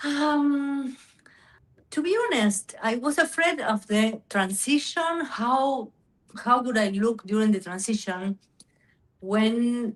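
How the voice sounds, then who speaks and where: Speaking very slowly with long, frequent pauses, a woman with a Spanish accent uses lively intonation at a high pitch and keeps her loudness very even. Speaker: gray hair model and entrepreneur. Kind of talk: interview. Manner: halting.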